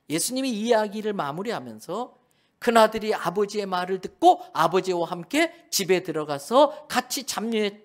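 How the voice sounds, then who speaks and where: A male pastor preaching a sermon, telling the story vividly and asking his congregation rhetorical questions. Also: high voice.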